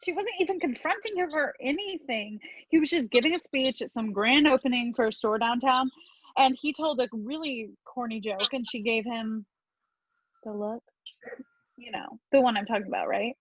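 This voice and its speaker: Woman as a high-voiced, admiring bar gossip. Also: moderate pace, no echo, dull audio, natural voice. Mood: admiring, chatty. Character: adoring tipsy actress gossiping with gal pals at a bar. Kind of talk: comedy sketch reading, casual storytelling.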